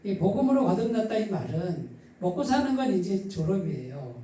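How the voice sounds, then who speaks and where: A male pastor with a husky, somewhat stifled voice preaches conversationally, putting questions to the congregation and answering them himself. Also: high-pitched, big pitch swings, fairly quick, mellow, a little hiss or hum. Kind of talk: conversational sermon. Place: church midweek service, echoing room. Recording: echoey church hall, distant mic.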